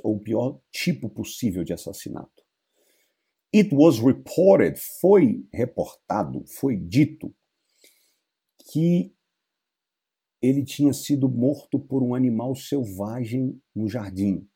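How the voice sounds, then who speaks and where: A man's voice: on the low side, lively intonation, slow pace, long pauses, dark tone, husky. A man with a Brazilian accent teaching English through a story, chatty and explaining word by word with asides. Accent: Brazilian Portuguese. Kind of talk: casual bilingual literature lesson.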